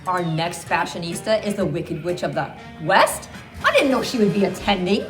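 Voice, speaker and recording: A woman playing an earnest, excitable Red Riding Hood, announcing a fairy tale fashion show in a theatrical skit style. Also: fairly low pitch, moderate pace. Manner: theatrical, animated. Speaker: co-host. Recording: roomy echo, music behind.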